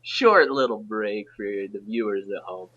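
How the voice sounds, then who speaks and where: Young male podcast host, bright and forceful tone, rambling casual delivery, dull lo-fi audio. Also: lowish voice, animated, slightly rough. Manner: rambling, halting restarts. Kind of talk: casual chat.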